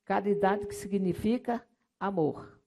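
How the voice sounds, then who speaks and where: A middle-aged Brazilian woman missionary preaching a sermon, lively and storytelling, acting out voices from her anecdotes. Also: medium pitch, unhurried, gravelly. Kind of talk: sermon with object lesson.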